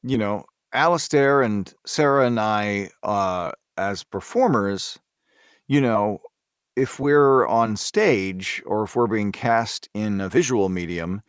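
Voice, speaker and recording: A man's voice: lowish voice, lively intonation, slow, smooth, no room sound, clean studio sound. A man who works as a voice actor, talking casually in a group interview. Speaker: voice actor, podcast cast member. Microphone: recording from home closet.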